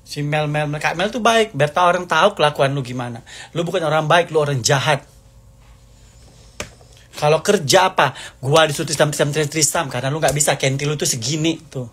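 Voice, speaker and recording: A man with a fairly high, slightly bright voice talks briskly into the camera in a furious, accusatory rant. He keeps repeating the same points over and over.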